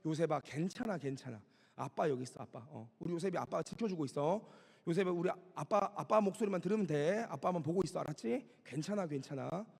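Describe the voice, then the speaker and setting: A man voicing a gentle hushed father. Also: a little high, lively intonation, fairly quick, vocal fry, slightly rough, in a large hall, exaggerated voice. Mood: soothing. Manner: soft, hushed, reassuring. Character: gentle father comforting his frightened young son.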